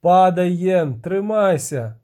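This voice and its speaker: A man reading an audiobook voices a hardened male monster hunter who shouts urgent orders. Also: high voice, big pitch swings, measured pace, voice pushed up.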